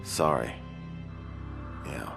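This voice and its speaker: A man's voice: extremely slow, music in the background. An actor playing a weary male president, curt and sardonic. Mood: grim. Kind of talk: game cutscene drama.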